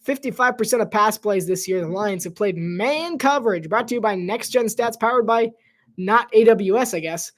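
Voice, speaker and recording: A man's voice: high voice, normal speed. Chatty play-by-play livestream commentator, male. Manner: chatty, rambling asides, frequent laughs; drops to soft whispered asides. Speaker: live game commentator.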